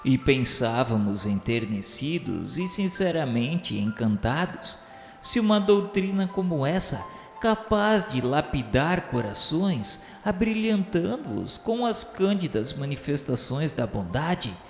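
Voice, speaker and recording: Brazilian man, reverberant hall sound, music underneath, unhurried solemn literary narration, measured and declamatory. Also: on the high side, big pitch swings. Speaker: narrator of an audio novel.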